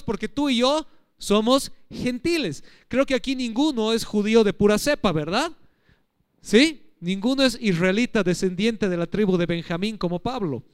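A man's voice: extremely high pitch, fairly bright tone, clean tone, no echo, clean studio sound. A man preaching a sermon in church, teaching and asking the congregation questions. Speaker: pastor.

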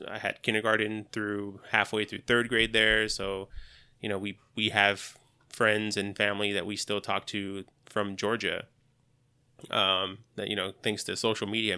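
A man's voice: lowish voice, flat delivery, moderate pace, pushed and bright, clean tone. A man in his thirties, a podcast guest, talking in a laid-back, joking way with lots of hesitant fillers. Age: 30s. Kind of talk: casual podcast conversation.

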